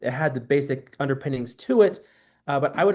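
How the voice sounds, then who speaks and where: A man talks at a very fast pace in a fairly high pitch. The background is quiet. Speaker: speaker on solarpunk literature. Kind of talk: presentation. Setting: online meeting.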